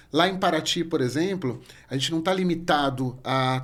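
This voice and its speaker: The man's pitch moves with ordinary variation. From São Paulo, Brazil. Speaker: diving instructor and business owner. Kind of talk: podcast interview.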